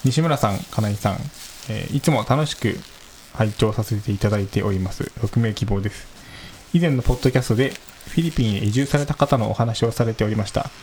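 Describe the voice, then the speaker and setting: A man's voice: on the low side, a little fast, darkish tone, low-quality recording. A man co-hosting a podcast, politely reading a listener letter and chatting modestly, laughing easily. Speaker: podcast co-host. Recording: faint hiss.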